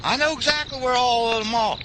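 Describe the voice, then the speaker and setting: A man putting on a jumpy backwoods shooter with a drawl and a very high, thin voice for a man. He talks back defensively, and loud crickets chirp all around him in this night-time radio play. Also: fairly quick, noisy background. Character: jumpy trigger-happy backwoods man, Jesse.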